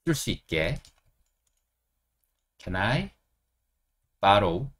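A middle-aged man with a Korean accent, teaching an English lesson and repeating phrases slowly, step by step. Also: on the low side, sing-song, fairly bright tone.

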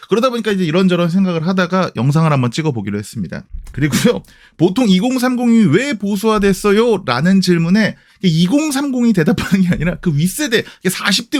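Guy in his 30s talking to camera, voice on the higher side, lots of ups and downs, chatty explainer. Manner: conversational, explaining with rhetorical questions. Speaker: history YouTuber. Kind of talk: casual commentary.

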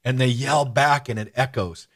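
A middle-aged man hosts a radio talk show and chats casually with his guest. He tells stories with animated energy, stopping and restarting his sentences, and his voice sits at an ordinary middle pitch. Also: moderate pace. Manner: animated storyteller, many restarts and fillers. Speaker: host. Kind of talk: casual radio interview chat.

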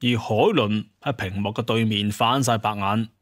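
A man's voice: fairly low pitch, normal speed. A man with a Cantonese accent narrates a scripted, dramatized adventure story. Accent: Hong Kong or Guangdong Cantonese. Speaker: audiobook narrator.

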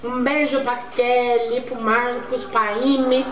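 A woman's voice: on the high side, little pitch movement, slow, crowd noise. A young adult Brazilian woman vlogging in casual chat to the camera. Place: home kitchen and living room, indoors. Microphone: camera mic at table distance. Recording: roomy echo, distant mic, faint noise.

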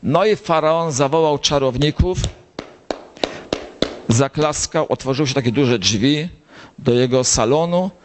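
A priest giving a sermon to a gathering, slowly telling the story and rising to high, emphatic lines. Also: male voice. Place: gathering of bible circles.

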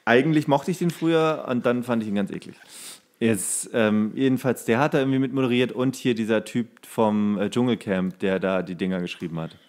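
Give the voice of a man with a mid-range pitch co-hosting a casual, funny podcast. He talks colloquially and rambles along, dropping in mock-strict asides. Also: a little fast, a little mellow. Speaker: podcast co-host. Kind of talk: casual humorous chat.

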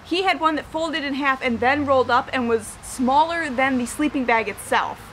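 A young woman in her twenties giving casual camping advice outdoors in front of a tent, chatty and quick to laugh. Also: sits high, a bit bright, slight background noise. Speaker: student vlogger.

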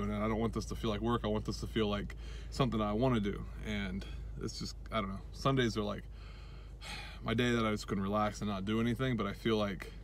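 A man in his thirties rambling casually to a camera close by while sitting in a car. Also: lowish voice. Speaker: vlogger. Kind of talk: casual rambling vlog chat. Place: inside a car. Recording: car and street noise behind voice.

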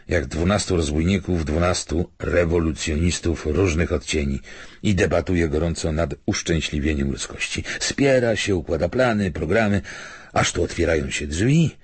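A man's voice: sits low, husky, no echo, heavily acted. A man voicing an opinionated, good-humoured Tsarist colonel musing rhetorically in an audiobook.

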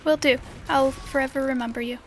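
A soft-voiced woman chatting casually as a player in an online game. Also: sits high, steady tone, fairly quick. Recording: noisy game voice chat with clicks.

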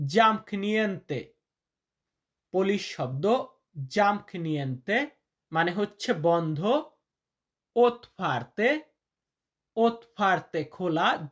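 A language teacher with a high, fairly bright voice teaches vocabulary, repeating each word slowly and deliberately. He's chatty and calls his listeners brother.

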